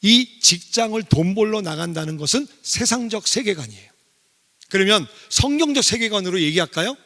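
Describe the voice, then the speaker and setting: A middle-aged man with a high voice preaches a testimony as a guest revival speaker. His delivery is animated and he keeps asking the congregation questions. The sound carries a long church hall reverb. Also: moderate pace. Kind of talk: sermon testimony. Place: church sanctuary.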